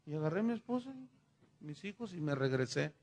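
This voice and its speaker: A man's voice: fairly high pitch, very animated, brisk, darkish tone. A middle-aged man with a Mexican accent, preaching a sermon in a conversational way and acting out the dialogue in his stories. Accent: Mexican Spanish. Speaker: pastor. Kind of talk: sermon with personal storytelling.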